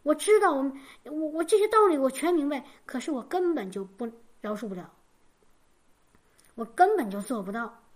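High-voiced fervent woman preacher. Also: lively intonation, normal speed. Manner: fervent, repeats key phrases for emphasis; frequent stammered restarts. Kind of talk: sermon with personal testimony.

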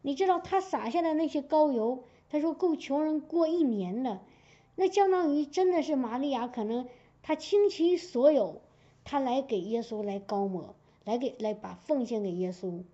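A woman preaching a sermon in a lively storytelling way, checking in often with her listeners. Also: high-pitched, moderate pace. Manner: lively storytelling with frequent "明白我的意思吧" asides. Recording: dull lo-fi recording.

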